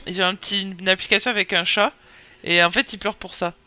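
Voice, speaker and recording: A woman's voice: medium pitch, fairly even intonation, a little fast, bright, forceful tone, smooth, no room sound, highs cut off. A woman streaming a game with casual commentary, soothing a crying child between remarks.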